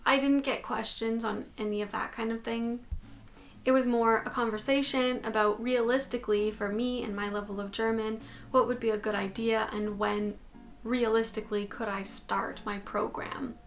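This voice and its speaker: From her bedroom, a chatty young Canadian woman delivers a casual talking-head vlog at a moderate pace, soft music in the background. Her voice is on the high side, she gestures animatedly, and a fixed camera films her at desk distance.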